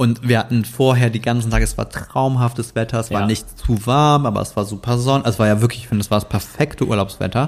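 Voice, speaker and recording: Very fast and with hardly any pauses, a man speaks at a medium pitch. His intonation is fairly even, and the recording is very clean with a silent background. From Trier region, western Germany. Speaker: podcast co-host. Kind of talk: casual chat.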